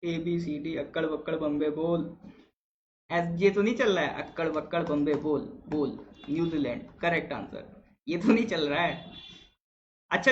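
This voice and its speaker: A man's voice: sits high, a bit bright, lo-fi sound, slight background noise. A man teaching a live online exam-prep class, chatting with viewers, reading out their answers and quizzing them.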